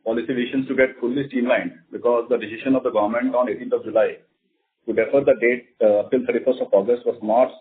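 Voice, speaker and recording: Through a thin, phone-like line comes an Indian man with a mid-pitched voice. He sounds like a company executive addressing investors, formal and measured in his delivery. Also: fairly even intonation. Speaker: company executive on an earnings call. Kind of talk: prepared remarks and formal investor answers. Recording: narrow, phone-like conference line.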